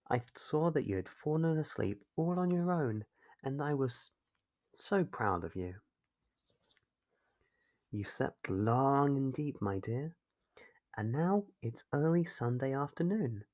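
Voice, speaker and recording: A man playing a calmly controlling, doting yandere kidnapper in an ASMR roleplay, speaking in a measured, formal, fussily caring way. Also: medium pitch. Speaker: voice actor.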